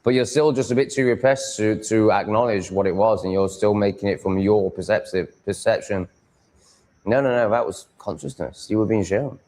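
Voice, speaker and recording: A man's voice: on the low side, normal speed, a little mellow. A man with a Yorkshire accent chatting casually as a livestream host, rambling in a blunt, crude, sweary way. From Yorkshire, England.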